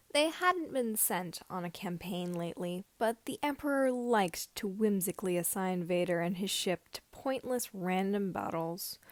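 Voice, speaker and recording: A woman reading a story aloud as scripted narration, with somewhat halting phrasing. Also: mid-range voice, a little mellow, dry recording. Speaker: amateur audiobook reader of fan fiction.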